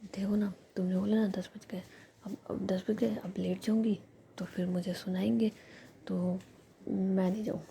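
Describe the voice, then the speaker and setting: A woman voicing a sulky, playful and clingy young woman in a soft whisper, as part of a whispered story. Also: mid-range voice, flat delivery, normal speed, gravelly, slight background noise, close to an everyday voice.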